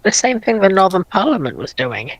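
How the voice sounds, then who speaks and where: A man's voice: sits high, wildly swooping pitch, brisk, fairly bright tone, rough recording. A man taking part as a panelist in a casual live discussion.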